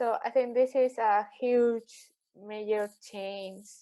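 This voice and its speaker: On a very clean recording with a silent background, a woman with a Spanish accent speaks in a fairly high pitch. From Spain, Catalonia. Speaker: engineer, entrepreneur and author. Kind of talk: interview. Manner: halting, with many repeated words.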